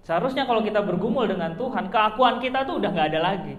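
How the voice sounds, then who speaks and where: A man's voice: high voice, expressive, fast, echoey room, muffled recording. A young man preaching a sermon as pastor, chatty and conversational, full of fillers and rhetorical questions. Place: church hall.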